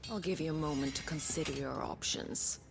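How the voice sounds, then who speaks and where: An actress playing a haughty, seductive, scheming female villain in a video game, coolly menacing and deliberate. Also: low-pitched, creaky. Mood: taunting, coaxing. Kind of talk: cinematic game cutscene acting.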